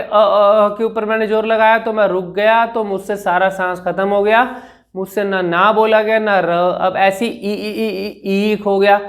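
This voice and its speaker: A young Indian man with a Hindi accent teaching speech in a spoken lesson, drawing words out slowly to demonstrate vowels. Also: high voice. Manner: slow drawn-out demonstration of vowels, repeats "ठीक है ना". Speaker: speech coach.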